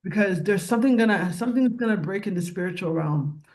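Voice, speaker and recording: A host in their forties chats in a relaxed interview. The voice sits at a middle pitch and moves along at an upbeat, quick clip. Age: 40s. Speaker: podcast host. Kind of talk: casual interview chat.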